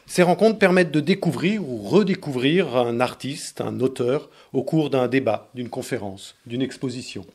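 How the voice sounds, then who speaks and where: A man hosting a bookshop radio program, with a mid-range pitch. He reads a formal introduction, then asks his questions in a measured, polite way. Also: a little mellow, slightly rough. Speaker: radio host.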